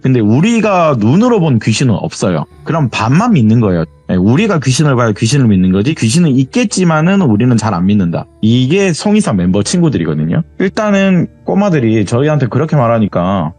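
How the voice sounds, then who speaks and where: Husky man animatedly telling a horror story. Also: medium pitch, brisk, few pauses, no room sound. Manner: animated, acts out quoted dialogue. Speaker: guest storyteller. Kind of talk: casual spoken horror story.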